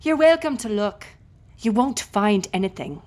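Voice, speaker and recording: A woman's voice: mid-range voice, expressive, unhurried, a little mellow, lightly acted. A woman playing a defiant, sarcastic, foul-mouthed ship captain held prisoner in an audio roleplay. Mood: mocking, contemptuous. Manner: sarcastic, wordy, biting.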